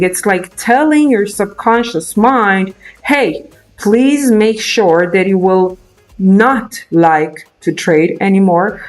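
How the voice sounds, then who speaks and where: A young man from Romania with a Romanian accent, chatting casually on a live trading stream, thinking aloud with many fillers and restarts. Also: sits high. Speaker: day trader streaming live.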